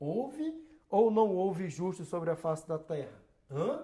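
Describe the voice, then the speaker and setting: Speaking with lively intonation, a man uses a high pitch and a dark, mellow tone. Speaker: preacher. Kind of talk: sermon. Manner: animated, exhorting.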